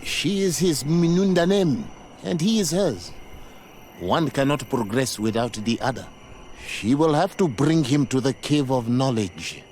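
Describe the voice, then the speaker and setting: A man acting a stern, solemn tribal elder and teacher in a video game, speaking in a measured, commanding way. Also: medium pitch, a little mellow, slight background noise, lightly acted. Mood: solemn, instructing.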